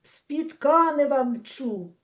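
A woman voicing a frightened, talkative old man fisherman in an audiobook, shouting in a raised, strained voice. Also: high voice, lively intonation, slow, pitched above the performer's own voice. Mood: panicked. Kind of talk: audiobook character voice.

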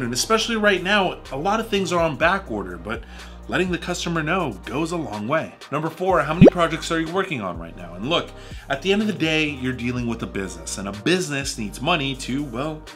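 Animated, bright-voiced man vlogging. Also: mid-range voice. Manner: animated, jokey, gestures widely with his hands. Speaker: home renovation YouTuber. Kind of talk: scripted advice talk to camera. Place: small home studio room with posters.

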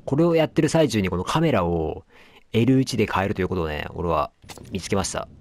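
A man with a deep voice gives casual let's play commentary, speaking fast and very animatedly. He chats to the game and its characters as he plays, talks back at it, and apologizes for noise.

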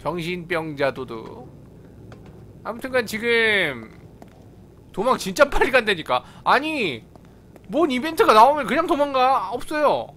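Speaking with an extremely high pitch and big swings in it, this male gaming host takes his time, leaving long pauses, his tone bright and forceful. He casually narrates a video game live, playfully exclaiming and answering the characters, with game audio and slight noise behind him.

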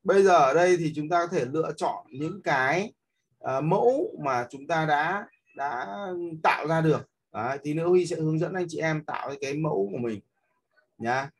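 This male instructor has a fairly high, husky voice with lively intonation and a normal speed. In a screen-recorded tutorial, he walks through an app step by step, full of fillers and frequent checks that his audience keeps up.

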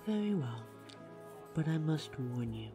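A man's voice: on the high side, very animated, measured pace, music in the background. A man voicing a snide, taunting vampire who serves at a coffee house, with a dry, goading manner in a roleplay audio drama.

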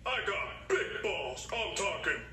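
A man voicing a childish boy who suddenly talks in a slow, smug, grown-up drawl. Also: high voice, very animated, pushed and bright, reverberant, soft background music, full character voice.

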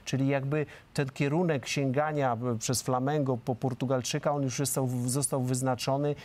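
A man's voice: medium pitch, level tone, normal speed, darkish tone. A middle-aged man talking as a football pundit in a TV studio discussion, fluent and emphatic, with frequent hesitation fillers. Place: large TV studio.

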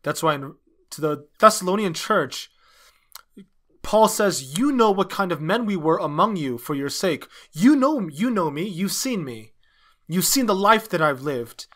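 Male sermon interpreter, slightly high-pitched, halting phrase-by-phrase preaching delivery. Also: expressive, fairly bright tone. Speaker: interpreter dubbing a pastor's sermon.

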